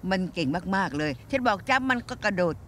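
A woman's voice: mid-range voice, sing-song, a bit bright, slight background noise. A woman voicing a lonely old woman in her later years who grieves her lost dog, dubbed for a drama. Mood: fond. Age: older. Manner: fretful, quick to accuse, then wistful. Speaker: dubbing actor. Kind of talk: Thai TV drama dub.

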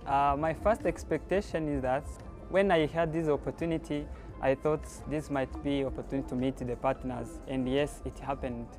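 A man's voice: mid-range voice, fairly even intonation, normal speed, over music. A young man from Rwanda, a company owner, speaking hesitantly on a lapel mic.

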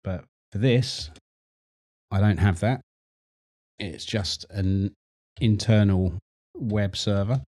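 A middle-aged man hosting a screen-recorded tech tutorial, chatty and relaxed, repeating words as he works. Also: fairly low pitch, takes it slowly, pauses often.

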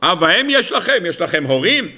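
Rabbi guy teaching torah, bright sharp voice, lively and teasing, asks question after question. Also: sits high. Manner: rhetorical questions, animated and teasing. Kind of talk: Torah lesson to an audience.

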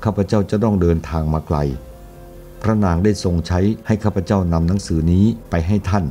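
Calm female courtier read by a man, plain even delivery, dark tone, faint music. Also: lowish voice, fairly quick, close to an everyday voice. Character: calm female lady-in-waiting.

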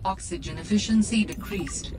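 A woman playing a calm, impersonal computer assistant that reads out alerts in a video game. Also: medium pitch, slight background noise, close to an everyday voice, low-quality recording. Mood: calm warning. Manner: measured, impersonal. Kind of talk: scripted game system alerts. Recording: game audio under music. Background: game music.

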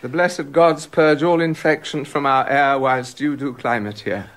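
An actor playing a remorseful king in a radio drama, halting and stammering with emotion. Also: mid-range voice, fairly even intonation, a bit bright, close to an everyday voice. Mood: tender. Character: remorseful king, haunted by guilt.

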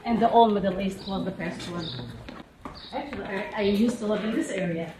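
English-speaking woman guiding a street tour. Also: medium pitch. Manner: halting, plain non-native English with many "like" fillers. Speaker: local guide. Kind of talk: casual walking tour explanation. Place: outdoors in narrow camp alleys. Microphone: camera mic from a few steps away. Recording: outdoor camera audio, distant and echoey, loud street noise.

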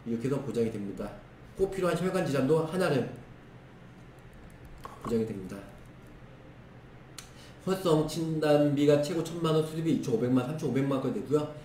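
A hoarse man in his thirties runs through insurance coverage in brisk, clipped phrases. He sits back from the mic in an echoey room. A faint hiss stays under his voice. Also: mid-range voice, warm tone, far from the mic. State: hoarse, strained throat. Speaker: insurance product explainer. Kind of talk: screen-share product walkthrough. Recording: roomy echo, voice off-mic with faint noise.

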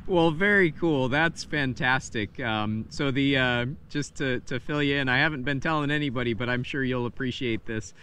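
A friendly man in his thirties makes casual ham radio contacts from a front yard. His voice sits at a middle pitch, with clear outdoor noise behind it. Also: normal speed, few pauses. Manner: relaxed, friendly, uses phonetic spelling. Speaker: amateur radio operator.

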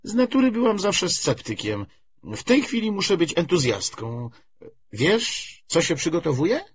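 Male narrator as self-assured activist woman, wry, brisk manner, audiobook novel, animated intonation, slightly dull recording. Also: on the high side, breathy edge, dry recording, voice pushed up, heavily acted. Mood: wry, eager. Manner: talkative, hesitant at moments, feigned lightness.

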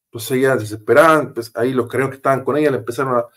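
A man with a Chilean accent tells a story as an interview guest, in a middle-pitched voice. He talks emphatically, repeats his phrases and uses casual slang. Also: fairly even intonation, rapid-fire, a bit bright. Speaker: interview guest, former police officer.

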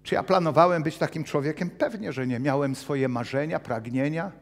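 Guy in his 50s preaching, higher voice, moves around a lot, long echo in a small church. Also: moderate pace, vocal fry. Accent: Polish. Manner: animated, gesturing broadly while pacing the stage. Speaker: pastor. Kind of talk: sermon with personal testimony.

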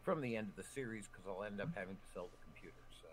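A man's voice: lowish voice, rapid-fire. A man hosting a podcast, talking casually with wry asides. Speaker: podcast host. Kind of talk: casual chat.

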